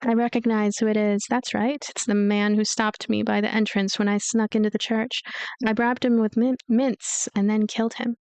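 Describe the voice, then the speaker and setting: A woman's voice: medium pitch, flat delivery, moderate pace, darkish tone, smooth, no echo. A woman hosting a let's play, reading a visual novel aloud with casual commentary. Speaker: let's play host and narrator. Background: game music.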